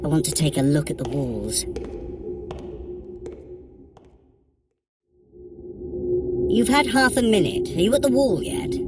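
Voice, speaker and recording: An actress playing a haughty, mischievous trickster god in an audio adventure, theatrical, arch and wry as they guide a runner. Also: female voice, fairly low pitch, very animated, brisk, loud music behind the voice. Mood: haughty, curious. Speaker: voice actor guiding a running workout. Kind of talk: in-character audio adventure narration.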